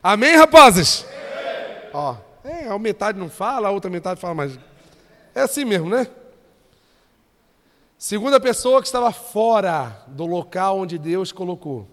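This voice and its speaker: A man's voice: high-pitched, big pitch swings, normal speed, long pauses. A man preaching as a pastor, joking and calling out to the congregation. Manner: conversational, joking, calls out to the congregation. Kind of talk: sermon. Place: church hall. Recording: long reverb of a church hall.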